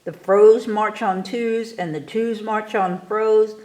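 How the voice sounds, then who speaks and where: A woman reading a rhyming picture book aloud to children in an expressive, theatrical way, stretching key words for emphasis. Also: medium pitch, slow. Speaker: story time reader.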